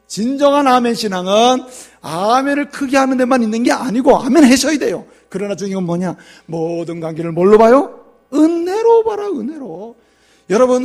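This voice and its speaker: High-voiced man preaching a sermon. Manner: asks the congregation questions, tells jokes. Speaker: pastor. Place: church sanctuary.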